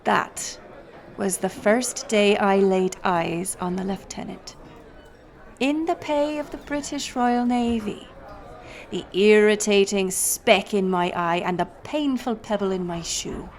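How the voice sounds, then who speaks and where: A woman's voice: mid-range voice, takes it slowly. A woman playing a wry, roguish pirate smuggler captain, telling her tale theatrically in an audio roleplay. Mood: bitter, brooding. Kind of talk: in-character audio roleplay storytelling.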